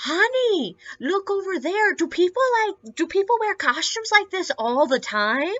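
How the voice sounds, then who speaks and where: Using a put-on character voice, a woman talks at a moderate pace in an extremely high pitch with very wide pitch swings. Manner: naive, wide-eyed.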